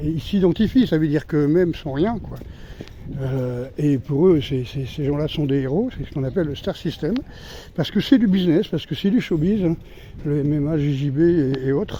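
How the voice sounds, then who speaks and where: Over noticeable background noise, a man with a fairly high pitch speaks at a moderate pace and varies his pitch in an ordinary way. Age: 60s. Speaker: martial arts teacher. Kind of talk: vlog monologue. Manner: animated; halting.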